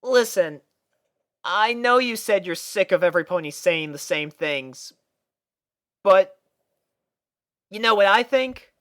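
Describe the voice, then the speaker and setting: A woman's voice: medium pitch, expressive, takes it slowly, long pauses, voice pushed up. A woman voicing a brash, tomboyish young pegasus filly in a story reading, blunt and casual but loyal. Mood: gentle, frank. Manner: blunt, exclamatory, casual slangy talk.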